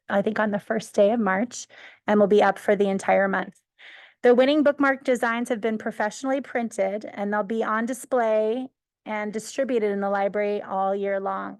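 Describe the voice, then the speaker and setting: A woman's voice: mid-range voice, no room sound. A woman, a youth services librarian presenting at a council meeting, muffled behind a face mask and speaking informally with self-corrections. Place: council chambers.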